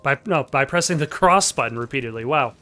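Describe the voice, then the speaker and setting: A man playing a video game who reads its text aloud in a plain, measured way, with casual asides. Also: medium pitch, lively intonation, over music. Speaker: let's play host.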